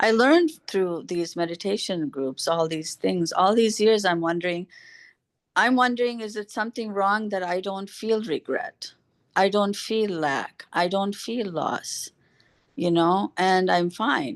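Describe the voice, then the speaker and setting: A woman's medium-pitched voice with an American accent, an unremarkable speaking voice with ordinary pitch variation, at a fairly slow pace against a quiet background. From US. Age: 60s. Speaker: meditation group participant. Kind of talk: personal sharing in online group.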